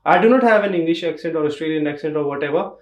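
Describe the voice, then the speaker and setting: A man's voice: on the high side, very fast, echoey room. A young man with an Indian accent teaching exam tips in an emphatic tutorial style, repeating key points. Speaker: test prep teacher. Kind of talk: instructional tutorial.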